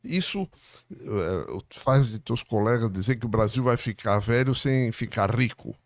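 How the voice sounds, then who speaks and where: A man hosting an interview podcast, his voice low and gravelly. He asks slow, halting questions and keeps restarting his sentences. The sound is dry and close. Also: animated, no room sound. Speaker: podcast host.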